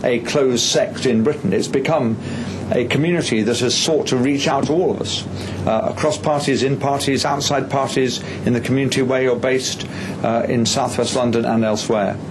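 A man at a medium pitch delivers a formal reception speech as a member of parliament. He is measured and pauses often on "uh". Clear background noise runs under his voice throughout. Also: steady tone.

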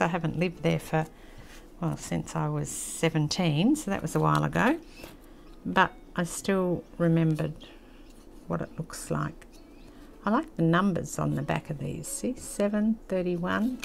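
Low-voiced older Australian woman, creaky. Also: noisy background. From country New South Wales, Australia. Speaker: craft channel host. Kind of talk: casual craft tutorial chat, reminiscing. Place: indoors at a craft table.

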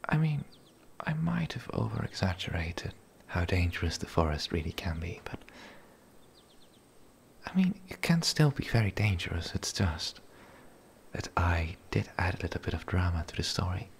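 A very low, creaky male voice for a gentle, lonely werewolf played by a man in an ASMR roleplay. He whispers much of the time, shy and hesitant, with soft breathy phrasing. A light hiss and ambience sit behind him. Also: big pitch swings, heavily acted. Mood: hesitant, wistful. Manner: hesitant, halting, soft-spoken.

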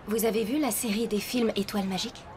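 A woman's voice: mid-range voice, fairly even intonation, fast talker, darkish tone, a little hiss or hum, natural voice. An actress dubbing a young woman film star who hides her fame, talking in an evasive, playful way. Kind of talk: French dub of a TV film.

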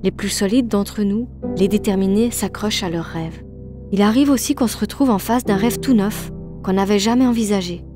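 A woman's voice: mid-range voice, normal speed. A woman, a voice actress, reading an inspirational scripted narration. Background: soft music.

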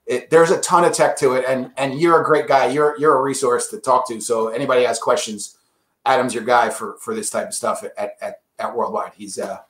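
A man's voice: mid-range voice, fairly even intonation, fairly quick, reverberant. A man representing an audio brand, casually explaining products in an enthusiastic, salesy way.

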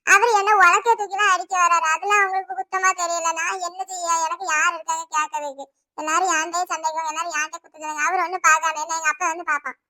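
Cartoon: put-upon young village wife, Tirunelveli accent, rapid, whiny and plaintive, voiced by a performer. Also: very high voice, flat delivery, pushed and bright, heavily acted. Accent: Tirunelveli Tamil. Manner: plaintive, complaining. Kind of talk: cartoon voice acting.

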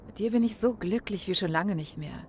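An actress playing a woman in love who speaks softly and jokes with her partner. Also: mid-range voice, a little fast, slight background noise, natural voice. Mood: affectionate. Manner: soft, affectionate, joking. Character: happy woman in love, planning a wedding.

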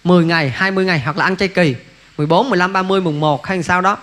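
A man's voice: sits high, racing, fairly bright tone. A man, a monk giving a folksy dharma talk that keeps asking listeners rhetorical questions. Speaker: Buddhist monk teacher.

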